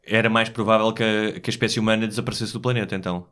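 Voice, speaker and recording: Fast-talking man with a European Portuguese accent. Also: lowish voice, fairly even intonation, a bit bright, smooth. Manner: explanatory, checks understanding with tag questions. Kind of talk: casual conversation.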